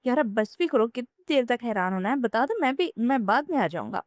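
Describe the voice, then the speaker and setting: A woman's voice: fairly high pitch, very animated, dry recording, clean studio sound. A woman voicing a playful, mischievous young husband in a storybook romance, with a joking, teasing delivery.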